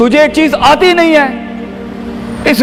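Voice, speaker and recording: A man's passionate voice at an extremely high pitch, over noticeable background noise. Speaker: Islamic motivational speaker. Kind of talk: motivational speech to an audience. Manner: passionate, exhorting.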